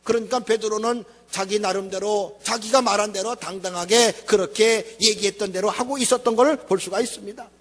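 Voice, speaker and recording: A man's voice: high-pitched, fairly even intonation, brisk, few pauses. A male pastor preaching a sermon, with a dramatic, rising and falling delivery and rhetorical questions. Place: church sanctuary. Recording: echoey church hall.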